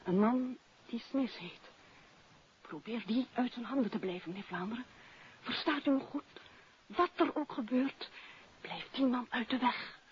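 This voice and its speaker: A woman's voice: fairly high pitch, a little slow, natural voice. An actress playing a frightened, secretive woman in a 1950s radio drama, speaking in a grave and insistent way. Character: frightened, secretive woman urgently warning a detective. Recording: dull old radio recording.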